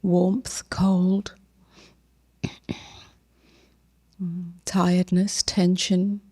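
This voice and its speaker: A woman leading a guided meditation as a teacher, gentle and unhurried, with long pauses and soft, breathy phrase endings. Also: lowish voice, level tone.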